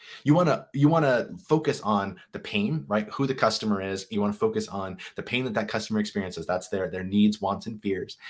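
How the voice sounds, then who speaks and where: Fairly low in pitch, a man talks at a fairly quick pace with ordinary pitch variation. The recording is very clean, with a silent background. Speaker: startup advisor, livestream host. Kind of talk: live stream Q&A advice talk. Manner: very fast; hesitant fillers, repetitions.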